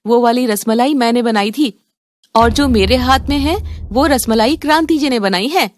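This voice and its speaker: A woman voicing a teasing, scheming mother-in-law in an animated story. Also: a little high, normal speed, lightly acted.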